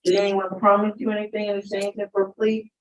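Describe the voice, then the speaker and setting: A woman judge running a courtroom plea hearing, asking formal questions in a brisk, measured way. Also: medium pitch, flat delivery, roomy sound. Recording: distant mic with faint noise.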